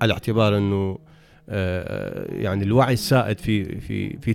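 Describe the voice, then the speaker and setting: The intonation stays fairly even on this very clean recording with a silent background. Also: man. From Iraq. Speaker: playwright. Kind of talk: interview. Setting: in Jordan during a theatre festival.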